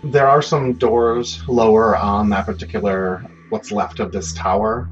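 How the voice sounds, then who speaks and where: A man working as game master, narrating a tabletop game in a halting, conversational way with many asides. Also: on the low side, steady tone. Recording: dull, muffled sound under prominent music.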